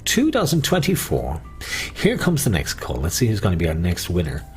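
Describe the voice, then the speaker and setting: A man's voice: low-pitched, huge pitch swings, fast, a little mellow, soft background music. A man working as a bingo caller, chatting with players and calling numbers with rhyming nicknames, repeating each one. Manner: chatty, bantering with players and co-host.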